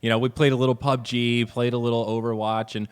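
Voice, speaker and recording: A man hosting a casual interview, talking in a relaxed, rambling way with friendly asides. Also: medium pitch, fast talker, clear, resonant tone. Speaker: podcast host.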